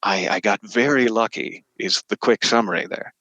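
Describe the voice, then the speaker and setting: A man's voice: lowish voice, normal speed, bright, forceful tone, no room sound, dull audio. A man chatting casually as a podcast guest, reflective and given to wry asides. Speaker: podcast guest, horror narrator and voice actor. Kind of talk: casual interview chat.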